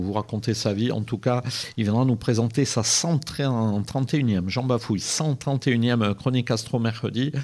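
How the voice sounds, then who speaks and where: A man's voice: medium pitch, darkish tone. Guy hosting local radio, chatty, lots of ums and restarts. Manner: hesitant, many fillers and restarts. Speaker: radio host. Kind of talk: casual radio chat.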